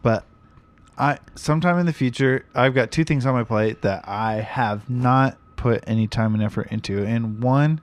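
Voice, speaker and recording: A man's voice: mid-range voice, normal speed. Playful man chatting in a garage. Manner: playful, riffs on accents and voices. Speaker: podcast co-host. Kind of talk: casual chat.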